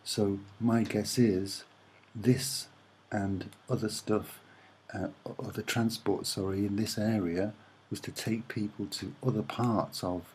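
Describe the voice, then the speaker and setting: A soft-spoken man giving a hesitant, musing, rambling commentary on images as an amateur presenter. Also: lowish voice, fairly even intonation, slow pace, a little hiss or hum.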